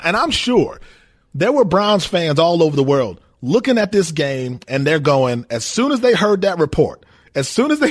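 A man from Minnesota co-hosting a sports talk radio show, talking in animated bursts and laughing as he makes his points. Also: a little high. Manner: animated, laughs often, stresses words for emphasis. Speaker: fill-in sports radio host.

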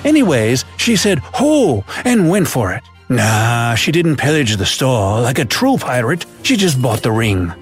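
In scripted narration, a man voices an old, jolly male pirate storyteller spinning tales of lost treasure in pirate slang with a theatrical drawl. His mid-range voice is sing-song and unhurried, with few pauses, and faint music plays behind him.

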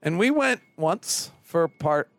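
A man's voice: fairly high pitch, takes it slowly, no echo. A man co-hosting a postgame sports radio show, breaking down the game and telling jokes and stories in a studio. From California. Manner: animated, joking, storytelling. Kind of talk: postgame analysis chat. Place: closed studio near an arena.

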